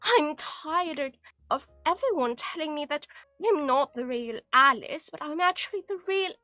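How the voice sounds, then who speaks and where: A woman putting on a British accent to voice a proper young woman named Alice from a storybook film, speaking higher and slower than her own voice. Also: expressive, sharp tone, no room sound, soft background music, full character voice. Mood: indignant. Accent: put-on British.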